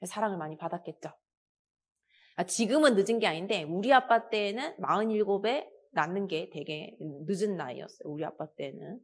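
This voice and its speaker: Lively woman lecturer with a Busan accent. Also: medium pitch, moderate pace. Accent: Busan Gyeongsang. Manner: lively storytelling, acts out quoted lines. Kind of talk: casual lecture with personal stories.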